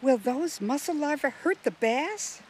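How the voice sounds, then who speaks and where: Curious storybook girl, high and bright, voiced by a woman narrator. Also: expressive, unhurried, slight background noise.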